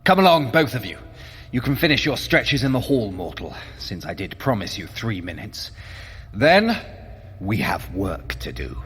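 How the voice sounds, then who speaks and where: A man's voice: fairly low pitch, sing-song, moderate pace, a bit bright, big-room sound, slight background noise. An actor playing a haughty, sly male trickster god in an audio drama, wry and theatrically imperious. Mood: haughty, commanding.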